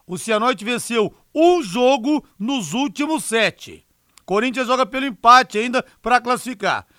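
Male sports radio host, high, forceful voice, emphatic live talk. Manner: emphatic, conversational, punctuated with rhetorical tags.

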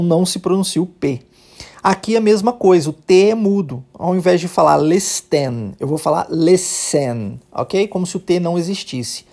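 Encouraging Brazilian woman teacher, lively pitch. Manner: patient, encouraging, models phrases slowly and high. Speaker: English teacher. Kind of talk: language lesson with repeat-after-me drills.

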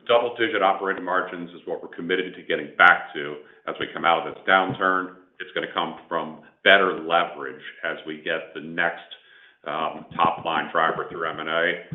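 A man speaking as a company executive on an earnings call, answering in measured, emphatic corporate phrasing. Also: low-pitched, level tone. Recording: echoey, band-limited conference phone line.

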